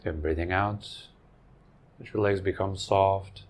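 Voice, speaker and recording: Low-voiced man guiding a meditation. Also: fairly even intonation. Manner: gentle, unhurried phrasing with long pauses. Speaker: meditation teacher. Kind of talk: guided meditation.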